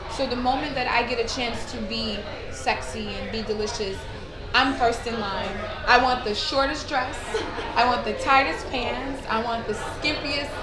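Over loud background noise, a woman with an American accent talks at a moderate pace. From US Midwest, Detroit. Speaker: reality TV personality and model. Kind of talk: interview. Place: bar.

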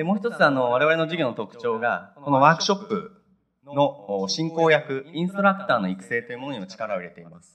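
A man at a fairly high pitch and fairly quick pace, with very wide pitch swings, big swings in loudness and light background noise. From Japan. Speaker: company founder; conference presenter. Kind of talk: conference presentation. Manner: casual, conversational. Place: hall. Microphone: podium.

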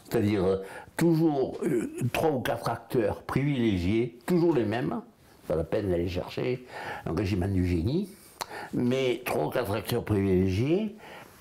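This man talks at a fairly slow pace, his pitch swinging very widely. Long pauses come often. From Arles, France. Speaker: museum curator. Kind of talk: interview answer. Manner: hesitant, conversational. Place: home room.

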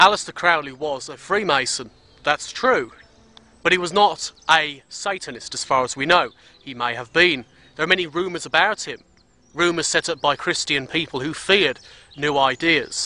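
A man speaks in a bright, sharp tone with ordinary pitch variation. His loudness swings widely, and the sound is dry with no echo. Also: moderate pace. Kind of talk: commentary. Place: open country. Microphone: phone near.

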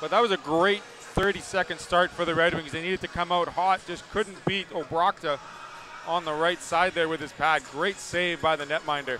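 The pace is moderate and the intonation fairly even. Noticeable background noise sits behind the voice. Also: man, high pitch for a man. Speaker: colour analyst, co-commentator. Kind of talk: sports commentary, analysis between plays. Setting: broadcast from an arena. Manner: conversational, relaxed, explanatory.

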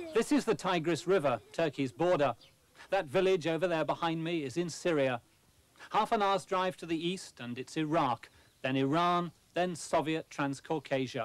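This man speaks at a moderate pace with ordinary pitch variation. The sound is dry, with no echo. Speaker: TV reporter. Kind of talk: piece to camera. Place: waterside.

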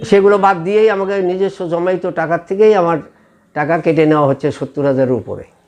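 High-pitched male speech marked by ordinary pitch variation. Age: 70s. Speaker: retired policyholder complaining. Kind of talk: news interview. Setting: at his home. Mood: aggrieved, complaining. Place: home room.

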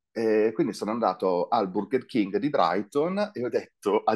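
The setting is quiet. A man's intonation is lively. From Milan, northern Italy. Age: 40s. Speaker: Italian emigrant interviewee; interviewee. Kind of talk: interview, personal story. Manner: hesitant, with fillers. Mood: warm, reflective. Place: home room. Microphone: earbuds.

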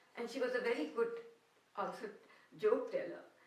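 Audible room echo surrounds a woman as she speaks. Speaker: feminist activist. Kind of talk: recorded tribute message. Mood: warm, reflective. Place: home room. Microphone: webcam.

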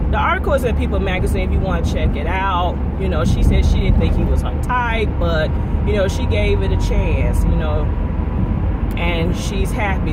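A woman speaks at a moderate pace over loud background noise. The sound is dry, with no echo. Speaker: vlogger. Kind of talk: casual vlog chat. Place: car. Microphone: phone near.

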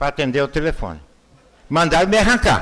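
A man speaks against a quiet background. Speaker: city councillor. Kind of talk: council debate speech. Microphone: podium.

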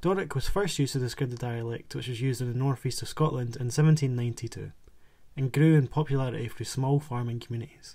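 Somewhat breathy and dark, mellow in tone, a man speaks at a fairly quick pace with medium pitch and fairly even intonation. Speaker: student. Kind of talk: scripted narration. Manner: formal.

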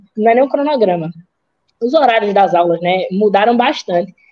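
A woman talks with lively intonation. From Petrolina, Pernambuco, Brazil. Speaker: exam candidate who passed the military school entrance exam, former student. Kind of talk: casual interview chat, testimonial. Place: home room. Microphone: video call.

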